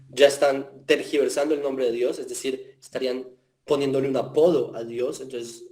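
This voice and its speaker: A man's voice: mid-range voice, darkish tone. A man teaching a class over a video call, patiently explaining and often checking in with his listeners. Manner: patient, explanatory, frequent tag questions. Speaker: teacher of Jewish philosophy. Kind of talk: online class answering questions.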